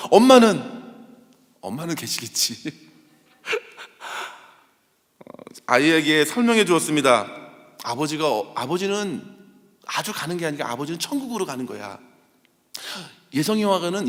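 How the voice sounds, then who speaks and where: A high-voiced male pastor preaches with a lively, swooping delivery, moving from storytelling to fervent appeals. His voice rings with the long reverb of a church sanctuary. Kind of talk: sermon.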